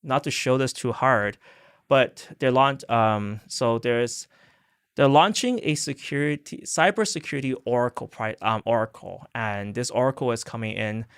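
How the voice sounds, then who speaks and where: A man's voice: medium pitch, normal speed, a bit bright, clean tone, dry recording, clean studio sound. A man hosting a crypto news show, talking casually and rambling with lots of fillers and "right?" tags. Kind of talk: casual unscripted commentary.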